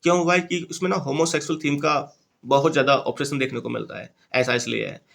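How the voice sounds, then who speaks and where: A young man teaching English literature for exams in a casual lecture, explaining in Hindi, reading English titles out slowly and repeating key points in a chatty, informal way. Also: medium pitch, steady tone, gravelly, a bit bright. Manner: chatty and informal, keeps addressing listeners as "bhai" and "yaar". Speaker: exam-prep literature teacher. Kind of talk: casual lecture over slides.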